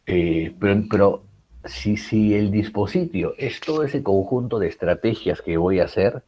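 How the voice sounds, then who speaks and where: A man's voice: on the low side, normal speed, warm tone, low-quality recording. A man teaching a writing class, explaining public speaking with many rhetorical questions and fillers. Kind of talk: recorded class lecture.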